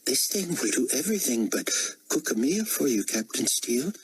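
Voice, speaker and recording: A man voicing a brisk, capable young woman, raising his pitch for her quick, helpful lines, with a husky, breathy voice. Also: sing-song.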